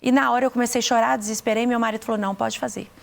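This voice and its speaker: A middle-aged Brazilian woman recounts her story with a gravelly, fry-edged voice set a little high. She speaks earnestly and haltingly, restarting and repeating words as she testifies to her faith in an interview. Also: fairly even intonation. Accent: Brazilian Portuguese. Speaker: interview guest giving testimony.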